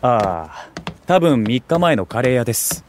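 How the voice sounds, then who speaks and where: A man's voice: medium pitch, very animated, a little slow, a little hiss or hum. A man playing an eager, geeky young junior in a voice drama, talking in gamer slang with casual politeness. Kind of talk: Japanese voice drama acting.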